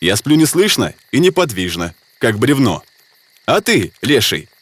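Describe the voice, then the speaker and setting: An earnest young hero hunter. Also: male voice, mid-range voice, unhurried, breathy edge, full character voice. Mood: bold. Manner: earnest, lively, calling out. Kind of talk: cartoon voice acting. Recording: music underneath.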